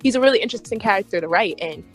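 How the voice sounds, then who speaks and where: A woman's voice: mid-range voice, lively intonation, very fast, faint music behind. A woman guest on a discussion podcast, giving her opinions casually in a frank, emphatic way. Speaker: podcast guest, fanfiction writer.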